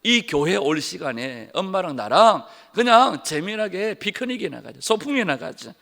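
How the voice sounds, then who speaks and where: A man's voice: sits high, sing-song, moderate pace, gravelly, a bit bright, exaggerated voice. A man voicing an angry grown daughter who scolds her mother in a rush of urgent pleading, heard in a church hall with long reverb. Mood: scolding.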